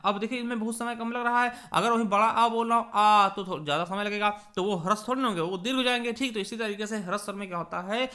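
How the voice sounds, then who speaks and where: High, bright-voiced man teaching Hindi grammar. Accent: Hindi from eastern Uttar Pradesh. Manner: repetitive, asks and answers own questions; addresses listeners as friends, drawn-out examples. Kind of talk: exam-prep grammar lesson.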